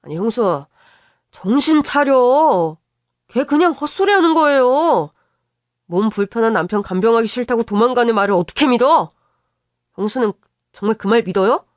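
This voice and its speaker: A rude, hot-tempered brother-in-law who snaps back and dodges every question in a radio story, as a woman reads him. The voice sits a bit high and sounds dry and close. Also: animated, moderate pace, dry recording, close to an everyday voice. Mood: evasive. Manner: rude, snapping, defensive.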